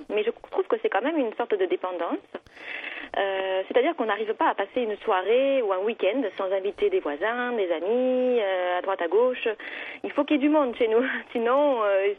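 A woman in her thirties speaks with a Marseille, southern French accent over a thin telephone line. Her voice sits fairly high, and she talks conversationally, searching a little for her words as a caller. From Marseille, southern France. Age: 30s. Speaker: caller to a call-in show. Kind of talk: conversational account of a personal problem. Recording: tinny narrow telephone line.

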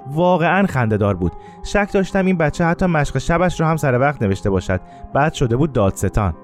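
A man narrating a first-person story in a calm, measured way, with scripted narration. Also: medium pitch.

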